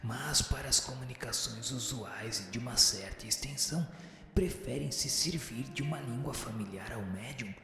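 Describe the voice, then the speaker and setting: An actor playing a solemn, learned spirit with a breathy voice, giving formal, measured, didactic answers in a radio drama, through cavernous reverb. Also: medium pitch, sharp tone. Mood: solemn, instructive. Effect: long cavernous reverb. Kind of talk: scripted radio drama reading. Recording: heavy echo and long reverb. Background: music.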